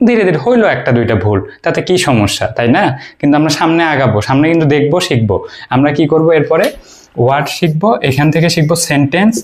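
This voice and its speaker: A man's voice: mid-range voice, darkish tone. Bangladeshi man teaching in a question-and-answer style. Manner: explains step by step, asks the listener questions and answers them himself; frequent hesitations and fillers while he thinks. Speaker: English teacher. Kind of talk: informal video lecture.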